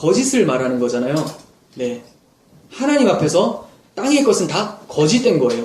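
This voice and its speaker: At a moderate pace, a man's pitch swings very widely, with noticeable background noise and audible room echo. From South Korea, Daegu. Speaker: pastor. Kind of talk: sermon. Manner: conversational.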